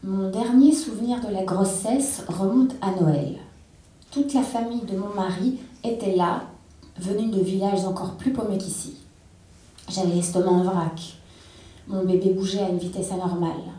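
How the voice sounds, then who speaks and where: A woman giving an intense, measured literary reading on a theatre stage. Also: medium pitch, dark tone. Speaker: reader. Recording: echoey hall, distant mic.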